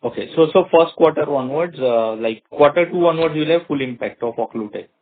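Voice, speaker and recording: A man with an Indian accent asking questions as an analyst on an earnings call, in hesitant, halting phrases. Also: on the high side. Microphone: phone call. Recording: narrow tinny phone-line audio.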